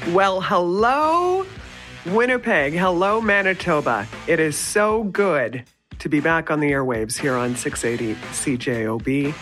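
A woman's voice: low-pitched, lively intonation, measured pace, a bit bright, faint music behind. A woman guest-hosting a talk radio show, chatty and upbeat, sounding nasal from a summer cold. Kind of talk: casual talk radio chat.

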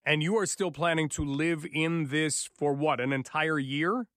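A man's voice: on the high side, fairly even intonation, a little slow, a bit bright, no room sound, clean studio sound. A male radio host interviewing a guest, upbeat and encouraging.

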